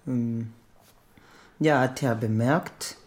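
A non-native German speaker retells a film's story in a medium-pitched voice. The delivery is slow and hesitant, with frequent searching for the right word. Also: a little mellow. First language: not German. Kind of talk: halting retelling of a film.

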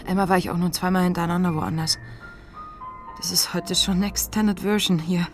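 A woman's voice: lowish voice, fairly even intonation, normal speed, lightly acted. An actress playing a weary, sardonic woman in her thirties in a radio play, laconic and understated. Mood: wry, fond. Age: 30s. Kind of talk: intimate radio play acting. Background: music.

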